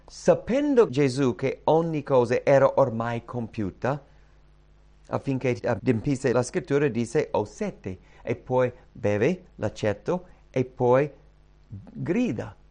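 A man preaching a sermon, reading scripture and swinging from hushed, quiet passages to loud, emphatic cries. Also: medium pitch, lively intonation, slow.

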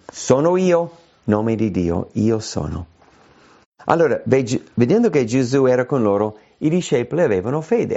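Animated preaching man, gravelly voice. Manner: animated preaching, voice leaping high when quoting cries. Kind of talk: sermon. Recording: dull lo-fi recording.

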